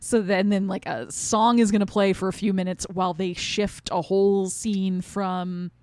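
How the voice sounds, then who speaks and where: A woman co-hosting a podcast, explaining her opinions in a casual, animated way with lots of "like" and "right?". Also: medium pitch, normal speed, clear, resonant tone, no room sound. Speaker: podcast co-host. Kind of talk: casual conversational review.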